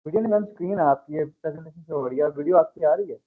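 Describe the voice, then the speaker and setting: A man's voice: a little high, racing. A man, an organizer politely talking to the lecturer about mic and video on a call. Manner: polite, addresses the speaker as ma'am. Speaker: session organizer. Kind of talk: quick technical check on a call. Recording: distant muffled audio on a call.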